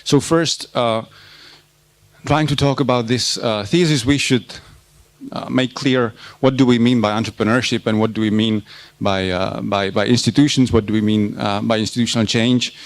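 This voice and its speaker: A man gives an academic conference talk, pausing often and repeating words before he goes on. His voice has a gravelly, creaky edge at a mid pitch. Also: fairly even intonation. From Czech Republic. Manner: halting, often repeats words while searching for them. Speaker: university lecturer presenting research.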